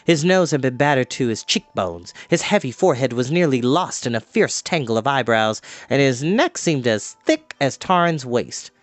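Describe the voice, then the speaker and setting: A man reading a story aloud as storyteller, in an expressive narrating style. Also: medium pitch, normal speed, hardly any pauses, no echo.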